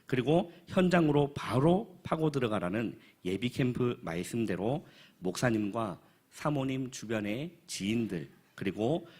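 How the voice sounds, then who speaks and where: A man in his thirties, a pastor, giving an earnest spoken report at a church forum, with halting speech and many filler pauses. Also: medium pitch, lively intonation, darkish tone, slightly rough. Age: 30s.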